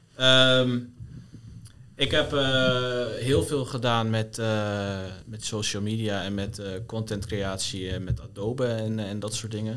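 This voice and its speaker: In a room with audible echo, a man at medium pitch speaks at a very slow pace. His intonation is fairly even. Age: 20s. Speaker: communications intern. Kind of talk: casual chat.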